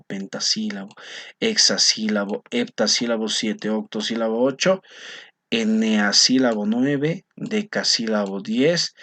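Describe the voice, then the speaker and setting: A man's voice: fairly low pitch, a bit bright. A male teacher explaining poetry to his class, often checking in with short tag questions. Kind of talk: recorded class lesson on poetry.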